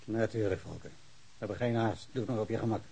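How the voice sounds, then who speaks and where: An actor playing a patient, reassuring official in a radio drama, with a husky voice. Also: male voice, fairly low pitch, fast talker, dark tone, slight background noise. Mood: soothing. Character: patient, reassuring male official calming a suspect. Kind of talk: naturalistic radio drama acting.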